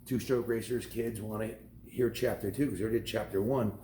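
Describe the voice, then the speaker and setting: A man's voice: on the low side, steady tone, brisk, warm tone, a little hiss or hum. A middle-aged American man talking casually and reading aloud as a dad hosting a story video for kids. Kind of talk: casual home vlog chat and read-aloud storybook narration.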